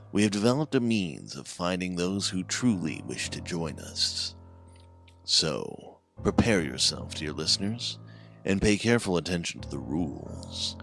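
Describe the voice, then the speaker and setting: Man playing a deep, creaky, sinister show host. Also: a bit bright, heavily acted. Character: sinister, theatrical male host of a mysterious broadcast. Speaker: host of horror anthology show. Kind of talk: theatrical scripted horror hosting.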